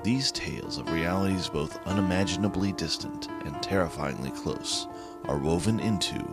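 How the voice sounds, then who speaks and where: Deep gravelly man, slow ominous narration. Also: over loud music. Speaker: horror anthology host.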